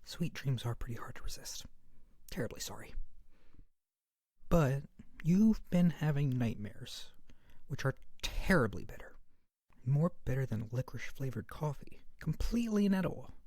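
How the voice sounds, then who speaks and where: Man playing a soft-spoken friendly monster, very close up. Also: mid-range voice, animated, moderate pace, long pauses, no echo, lightly acted. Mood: playful, sheepish, then concerned, soothing. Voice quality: soft, breathy, often near-whisper. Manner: gentle, playful, coaxing. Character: friendly, sheepish monster under the bed who tells corny jokes. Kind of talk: soft-spoken ASMR roleplay. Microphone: very close to the mic.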